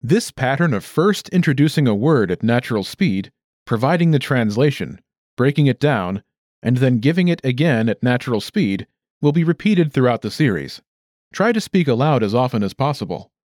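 Male instructional narrator, mid pitch, animated intonation, careful enunciation, dry close recording. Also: normal speed, no room sound. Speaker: language lesson narrator.

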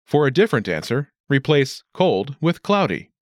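A male lesson narrator with a lively, varied pitch and very dry studio sound. He reads scripted instructions in a deliberate, carefully enunciated way. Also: dry recording.

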